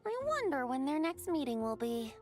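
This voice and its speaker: A bubbly, playful young woman from a game, giggly and light. Her high voice swings up and down a lot. Soft music plays behind. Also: big pitch swings, normal speed. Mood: thoughtful.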